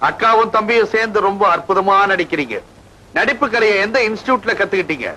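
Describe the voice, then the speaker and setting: A man's voice: high-pitched, expressive, quick pace, bright, forceful tone, slight background noise, rough recording. An actor playing an arrogant, wealthy middle-aged businessman who mocks and threatens his family in 1980s film dialogue. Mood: scornful. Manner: sneering, mocking, threatening.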